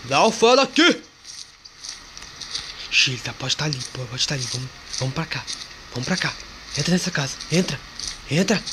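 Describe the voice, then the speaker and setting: Excitable male gamer, lively swooping voice, faint hiss behind. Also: on the high side, a little fast, pauses often. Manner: excitable, yelps at jump scares, talks to viewers and a friend. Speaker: gamer playing a horror game. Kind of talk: casual gameplay commentary.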